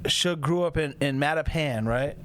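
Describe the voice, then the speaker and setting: A man's voice: on the high side, moderate pace, a little hiss or hum. A man, a rapper co-hosting a podcast, acting out quoted exchanges as he argues a point. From Massachusetts. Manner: animated, acts out quoted exchanges. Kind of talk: casual podcast chat.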